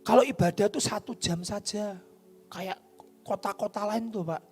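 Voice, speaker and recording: A man preaching a sermon, moving from hushed lines to shouted ones. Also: high-pitched, normal speed, soft background music. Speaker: pastor. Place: church stage.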